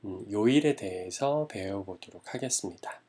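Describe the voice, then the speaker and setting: A man teaching a language lesson, modeling each word slowly and repeating it for learners. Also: lowish voice, expressive, mellow, a little hiss or hum. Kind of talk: slow, careful language lesson.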